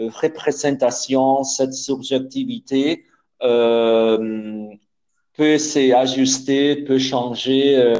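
A man with a non-native accent, a fairly high pitch and a dark, mellow tone, very slow, with fairly even intonation. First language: not French (speaking French). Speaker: hospitality training company director. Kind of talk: interview. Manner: halting.

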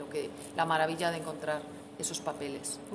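A woman talks at a moderate pace in a fairly low, monotone voice. Noticeable background noise and audible room echo surround her. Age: 50s. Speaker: writer and professor. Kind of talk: interview. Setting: book fair.

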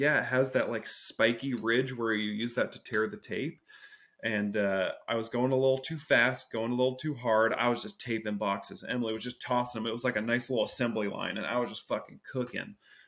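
A man speaks with a medium pitch. His pace is fairly quick. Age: 30s. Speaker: podcast co-host, healthcare worker. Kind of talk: casual chat. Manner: animated.

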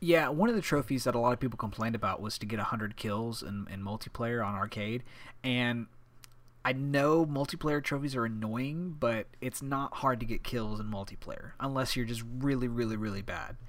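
With an American accent, a man has a plain, everyday voice at medium pitch, moving at a moderate pace with ordinary pitch variation. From Texas. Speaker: video game podcast co-host. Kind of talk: casual chat.

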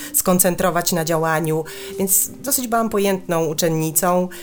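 A woman's fairly low voice at a fairly slow pace, with ordinary pitch variation and noticeable background noise. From Silesia, Poland. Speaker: actress and screenwriter. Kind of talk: casual chat.

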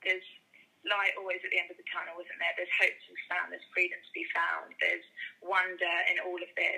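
A woman is speaking. She talks with a southern English accent. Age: 20s. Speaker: worship leader and singer. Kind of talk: casual interview chat.

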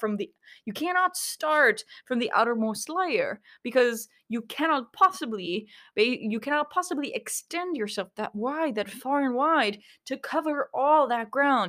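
A woman with an American accent speaks at a fairly slow pace, her high pitch making very wide swings. The sound is dry and close, with no echo. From Kosovo. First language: Albanian. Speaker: podcaster. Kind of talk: reflective solo monologue.

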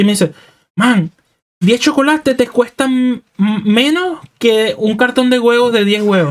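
A man with an extremely high pitch talks at a fairly slow pace with lively intonation, very even loudness, and long, frequent pauses. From Venezuela. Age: 20s. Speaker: podcast host, musician. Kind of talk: casual chat.

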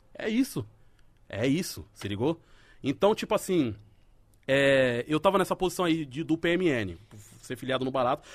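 In an animated, passionate tone, a fairly high-pitched man with vocal fry and lively intonation talks at a moderate pace with long, frequent pauses, in a dry, close sound with no echo on a very clean recording with a silent background. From São Paulo periphery, Brazil. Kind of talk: casual chat. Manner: animated, slangy, passionate.

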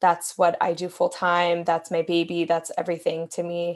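A woman's fairly low voice in monotone, flat intonation at a moderate pace, on a very clean recording with a silent background. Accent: American. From Miami, Florida (Dominican American family). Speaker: community organizer. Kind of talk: interview conversation.

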